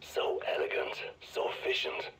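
An actor playing a gruff male sniper ally in a video game, speaking in a low husky whisper. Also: measured pace, a bit bright, close to an everyday voice, rough recording. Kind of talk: game voice acting.

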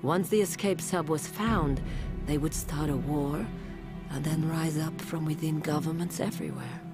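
Low-voiced, intense woman professor played by an actress. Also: normal speed, over loud music, lightly acted. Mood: earnest. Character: guarded, intense woman professor in an espionage thriller. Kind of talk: dramatic motion-comic voice acting.

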